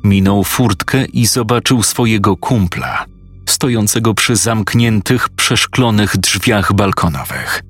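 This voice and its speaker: Male narrator for a horror audio story: husky, low, slow, faint music under. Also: expressive, fairly bright tone. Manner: measured, suspenseful.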